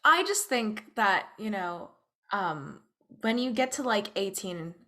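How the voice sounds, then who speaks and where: A woman's voice: mid-range voice, expressive, slow pace, pushed and bright. A young woman chatting casually as a guest, hesitant and self-deprecating. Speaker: playwright, roundtable guest. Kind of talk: casual chat.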